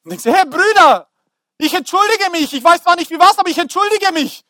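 A man's voice: extremely high pitch, expressive, brisk, pushed and bright, no room sound, clean studio sound, voice pushed up, exaggerated voice. A man voicing young Joseph, who pleads and apologizes to his brothers as he calls up to them. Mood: pleading.

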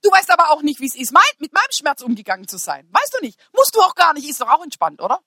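A woman. She speaks casually and with humor, moving from soft asides to shouted declarations. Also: high-pitched, big pitch swings, fast, dry recording, studio quality. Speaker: preacher. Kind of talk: lively sermon to a congregation.

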